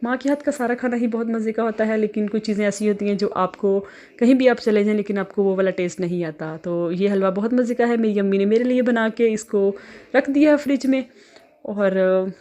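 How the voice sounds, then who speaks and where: A young woman from Pakistan speaks in an easygoing home vlog, her Pakistani Urdu accent plain in every phrase. She talks in a chatty, friendly flow and often pauses on filler sounds while she gathers her thoughts. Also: medium pitch, darkish tone. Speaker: vlogger.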